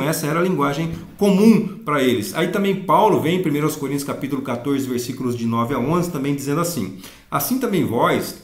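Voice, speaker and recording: Brazilian male Sunday school teacher, fairly high voice, explains verses in an echoey room. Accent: Brazilian Portuguese. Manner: explanatory, reads scripture slowly then comments. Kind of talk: Bible lesson.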